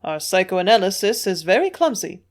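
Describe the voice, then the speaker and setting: A woman reading the part of a quiet male doctor, speaking in a measured, thoughtful way. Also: medium pitch, very animated, lightly acted. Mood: musing. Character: quiet, lean male doctor, intellectually curious.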